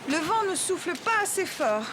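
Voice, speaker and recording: A woman voicing a gentle, patient young mother in a cartoon, soft and encouraging. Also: very high-pitched, big pitch swings, moderate pace, over music. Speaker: cartoon character. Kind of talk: animated series dubbing.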